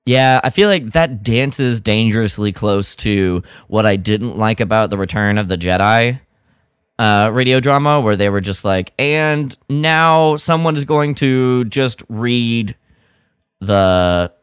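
A man co-hosting a podcast, chatting casually and haltingly as he recaps a story. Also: medium pitch, clean tone, no room sound, studio quality. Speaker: podcast co-host. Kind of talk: casual chat recapping a radio drama.

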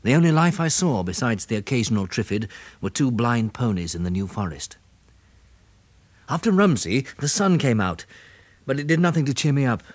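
A man playing a weary, kindly English survivor in a 1960s radio drama, gentle and measured in manner. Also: mid-range voice, very animated, dry recording. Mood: weary, sombre. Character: weary, kindly male survivor narrating his journey. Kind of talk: 1960s British radio drama narration and dialogue. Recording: hissy old radio recording.

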